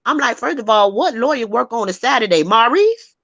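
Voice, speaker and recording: A woman hosting a casual gossip chat, talking in an animated, sassy and emphatic way and laughing often. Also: fairly high pitch, a little fast, no room sound, muffled recording. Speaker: host.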